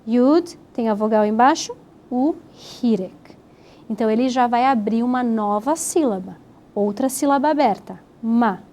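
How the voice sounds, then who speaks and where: A woman's voice: on the high side, warm tone, slight background noise. Patient woman teaching Hebrew grammar. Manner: patient, explanatory, spells out syllables slowly. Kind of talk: recorded grammar lesson.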